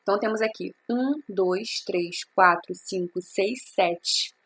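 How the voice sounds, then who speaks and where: Husky-voiced woman teaching literature. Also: medium pitch, slow, fairly bright tone. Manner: explains step by step, asks and answers own questions. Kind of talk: recorded class explanation.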